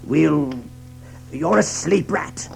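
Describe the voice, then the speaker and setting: An actor playing a kindly, hearty older badger in a children's audio story, hesitant and repeating himself in a gravelly voice. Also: male voice, a little high, very slow, a little mellow, soft background music, exaggerated voice. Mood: resolute.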